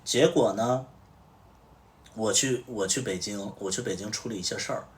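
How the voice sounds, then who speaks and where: A man's voice: fairly low pitch, moderate pace, far from the mic, a little hiss or hum. A man hosting a livestream, casually telling a story and acting out what each person said. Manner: recounts events through reported dialogue. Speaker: livestream host.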